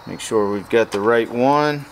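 Very noisy audio carries a man's medium-pitched, unhurried voice. He's a motorcycle repair how-to host, walking step by step through a repair in a practical, no-frills way as he works at a pickup truck bed workbench outside.

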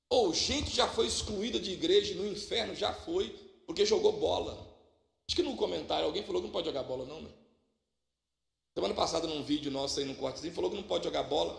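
Gravelly pastor from Minas Gerais. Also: male voice. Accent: Minas Gerais Portuguese. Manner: swings between loud exclamations and low asides, humorous. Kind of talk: lively sermon with storytelling. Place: church hall. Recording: echoey church hall.

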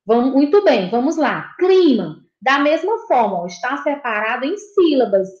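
A woman's voice: high voice, big pitch swings, darkish tone. Woman, Brazilian Portuguese accent, schoolteacher, patient and encouraging, muffled echoey recording. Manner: slow, patient, repeats and praises children. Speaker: primary school teacher. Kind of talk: recorded video lesson for children. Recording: dull, echoey room.

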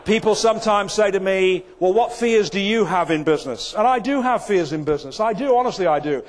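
Older man, after-dinner comic speaker, dry deadpan timing, slightly high voice, lapel mic, faint hiss. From England. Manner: dry deadpan delivery with timed pauses. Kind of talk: stand-up comedy presentation. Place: large banquet hall stage.

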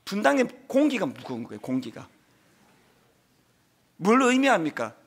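A middle-aged man preaches from the pulpit with a high, gravelly voice. His pitch leaps and falls as he tells the story. He sinks into hushed asides and builds to loud, emotional peaks. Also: wildly swooping pitch, moderate pace. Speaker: pastor. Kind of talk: sermon.

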